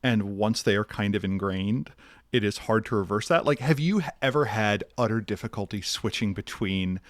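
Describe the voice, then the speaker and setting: A man with a low voice, a guest on a podcast, talks casually. He thinks out loud and pauses with fillers. The sound is dry and close. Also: no room sound. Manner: thoughtful, hesitant, with fillers.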